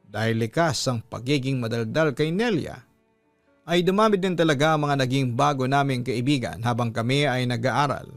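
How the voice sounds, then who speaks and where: A man's voice: medium pitch, moderate pace, no room sound. Filipino man narrating, dry close sound over music. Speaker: host narrator of a listener-story show. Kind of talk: scripted narration of a listener's letter.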